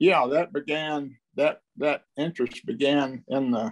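A man with a Mississippi accent against a quiet background. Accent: US Southern (Mississippi). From northeast Mississippi hill country. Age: 80s+. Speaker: retired air force general and fighter pilot. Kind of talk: interview storytelling. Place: home room. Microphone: video call.

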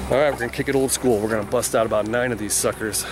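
A man speaks over noticeable background noise. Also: dry sound with no echo. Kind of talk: casual vlog chat. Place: street. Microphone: phone near.

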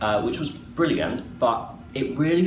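In a British accent, the speech moves at a very slow pace through noticeable background noise. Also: man. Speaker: theatre vlogger. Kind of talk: casual interview. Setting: theatre. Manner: animated, giggly. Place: home room. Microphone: lapel.

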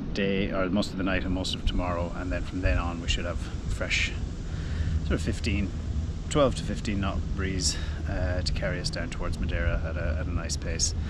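A man at a moderate pace with ordinary pitch variation, dry with no echo, amid loud background noise. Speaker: sailor vlogger. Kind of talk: casual vlog chat. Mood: calm, upbeat. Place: boat. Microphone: phone near.

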